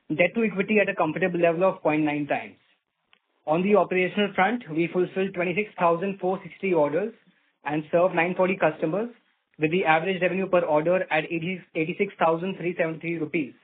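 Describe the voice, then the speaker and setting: A man's voice: fairly high pitch, slight background noise. A man with an Indian accent, reading out financial results as an executive on an earnings call. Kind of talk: scripted financial results presentation. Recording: narrow phone-line sound.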